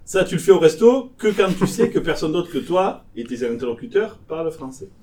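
A man with a northern French accent tells anecdotes in an animated, joking way during a relaxed chat. He sits some distance from the mic, so his voice comes across a little remote. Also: on the high side, fairly quick. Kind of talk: casual chat.

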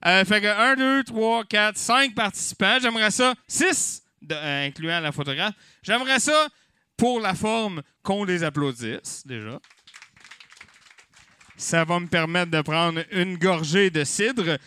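A rowdy Québécois man hosts a live comedy night, tossing jokes and casual swears at the crowd. His voice sits high and swings widely up and down. It has a bright, crisp edge and sounds dry and close. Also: expressive, slow, no echo. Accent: Québécois French. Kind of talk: improvised stand-up hosting with mock auction. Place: live venue with audience.

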